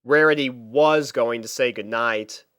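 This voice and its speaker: Storyteller, scripted fiction narration, medium pitch, dry recording. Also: a little slow, fairly bright tone, clean tone, no room sound. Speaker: storyteller, fan fiction reader.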